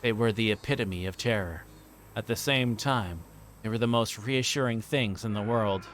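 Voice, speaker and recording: A man's voice: lowish voice, normal speed, a bit bright. Man livestreaming, faint background noise. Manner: rambling, joking with viewers. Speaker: livestreamer playing a visual novel. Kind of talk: reading game text aloud mixed with casual stream chat.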